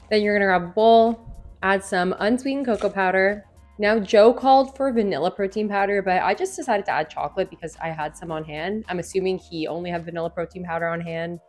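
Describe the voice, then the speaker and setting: A young woman hosts a food vlog in a casual, chatty way. Her voice sits at a medium pitch, and she moves informally between recipe steps and opinions, often dropping in "like" as a filler. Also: a little mellow. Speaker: food vlogger and host.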